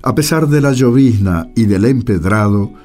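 A man's voice: mid-range voice, animated, moderate pace, dark tone, soft background music. A man with an Argentine accent reading scripted narration for a radio drama.

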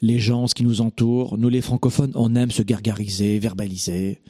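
A man with a French accent hosting a motivational talk, emphatic, asking rhetorical questions and pausing on hesitations. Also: mid-range voice, level tone, dark tone, no room sound, clean studio sound. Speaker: host and success coach.

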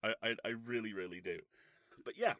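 A man's voice: on the low side, very animated, brisk, a bit bright, no room sound. A British man co-hosting a podcast, telling casual anecdotes in a profane, wry storytelling manner. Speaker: podcast co-host.

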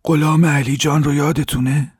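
A grieving old villager in an audio drama, speaks in a raspy, worn voice that sits a little high. His telling is halting and sorrowful. The sound is dry and close. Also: fairly even intonation, a little mellow, dry recording. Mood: grief-stricken. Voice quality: hoarse, raspy. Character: grieving old village man recounting horrors.

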